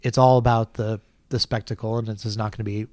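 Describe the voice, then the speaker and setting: A man's voice: lowish voice, level tone, fast, darkish tone, no echo. A man hosting a podcast, talking casually and thinking aloud with many restarts and fillers. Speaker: podcast host. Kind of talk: casual conversation.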